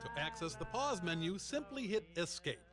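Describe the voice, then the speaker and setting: A man's voice: sits high, very animated, moderate pace. A man voicing a cheery, chatty interface assistant in a scripted game tutorial, instructing eagerly and theatrically over music. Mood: cheery, helpful.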